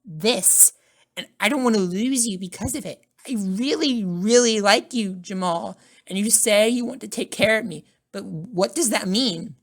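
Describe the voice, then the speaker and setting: Woman doing an anxious, timid college girl, high-pitched. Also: unhurried. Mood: tearful pleading. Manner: nervous, timid, pleading. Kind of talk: ASMR roleplay.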